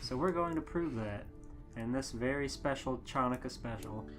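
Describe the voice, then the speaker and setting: A man's voice: medium pitch, moderate pace. A man hosting a comedic group podcast, talking in a playful, mock-grandiose way. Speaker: podcast host. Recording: music behind the voice. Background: music.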